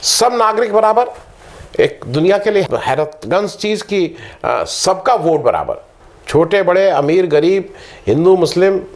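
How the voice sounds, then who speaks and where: Lively middle-aged man explaining figures. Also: high-pitched, a little slow. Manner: lively, lecturing with statistics, frequent fillers and restarts. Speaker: political commentator. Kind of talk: explanatory talk to camera.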